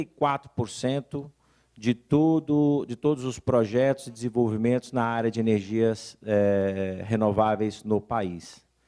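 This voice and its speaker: Against a quiet background, a man speaks in a dark, mellow tone at medium pitch with ordinary pitch variation, the sound dry and close with no echo. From Minas Gerais, Brazil (Governador Valadares). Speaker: bank regional superintendent. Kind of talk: conference presentation. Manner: hesitant, many fillers.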